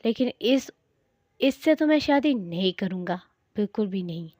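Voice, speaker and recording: A woman's voice: mid-range voice, expressive, normal speed, a little mellow, dry recording, studio quality, lightly acted. A woman reading the lines of a cruel, hot-tempered young man in a storytelling video, snarling and contemptuous. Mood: defiant.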